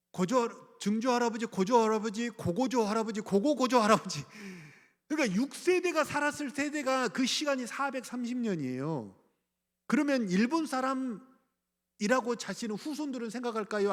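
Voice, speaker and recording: A middle-aged man from Gwangju preaching a sermon as pastor, speaking conversationally, asking the congregation questions and chuckling. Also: very high-pitched. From Gwangju, South Korea. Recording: church hall reverb.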